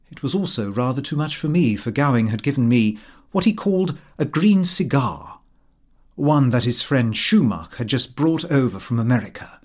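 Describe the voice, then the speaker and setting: British man reading with very lively intonation. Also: medium pitch. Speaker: audiobook reader. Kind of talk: scripted narration of a comic fictional diary, read in character as the diarist.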